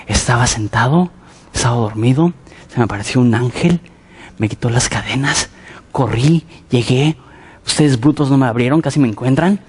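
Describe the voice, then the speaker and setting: A man voicing a male apostle just escaped from jail, telling the story in a low, hushed way. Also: normal speed, husky, close to an everyday voice. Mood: hushed urgency. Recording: echoey hall.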